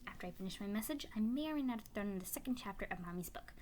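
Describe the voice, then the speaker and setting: A woman's voice: mid-range voice, lively intonation, rapid-fire, darkish tone, slight background noise. A woman narrating a fan story as a dramatic reading. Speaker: story reader.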